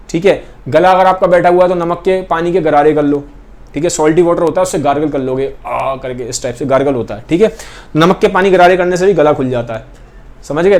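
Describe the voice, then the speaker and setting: A man's voice: a little high, darkish tone. A young man teaching a biology class, repeating key points and often checking in with his students. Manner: points at pictures while explaining. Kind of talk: explaining a class lesson.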